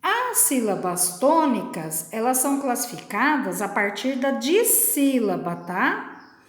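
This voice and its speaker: A woman teacher from Brazil, slowly and patiently explaining a lesson to children step by step. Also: a little high, sing-song, reverberant. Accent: Brazilian Portuguese.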